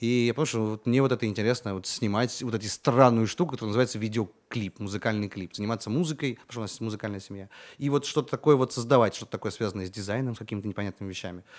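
A man speaks at a very fast pace with big swings in loudness. The background is quiet. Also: medium pitch for a man, ordinary pitch variation. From Russian Far North. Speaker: film director; guest. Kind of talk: interview. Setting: studio. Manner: energetic. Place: studio. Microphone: studio mic.

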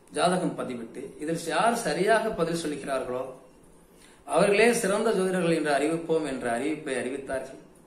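Lively intonation with audible room echo. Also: man, fairly high pitch for a man. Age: 40s. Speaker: astrologer. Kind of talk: personal video address to viewers. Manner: formal. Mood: proud, storytelling. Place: home room. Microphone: phone near.

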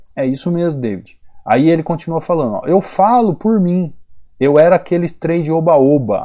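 With lively intonation and a dark, mellow tone, a man talks at a fairly slow pace on a very clean recording with a silent background. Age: 40s. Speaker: trading instructor. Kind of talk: tutorial.

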